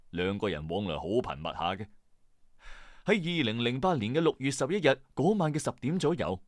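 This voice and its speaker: A man's voice: mid-range voice, no echo, clean studio sound. A man with a Hong Kong Cantonese accent hosting and narrating a scripted true-crime mystery in a suspenseful, conversational storytelling manner. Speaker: storyteller host of a mystery channel.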